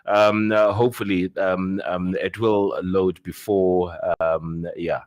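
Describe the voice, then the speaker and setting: A South African man hosting a podcast in casual chat, rambling with lots of fillers and restarts, now and then breaking into loud excited bursts. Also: deep voice, takes it slowly, no echo, muffled recording. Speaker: podcast host.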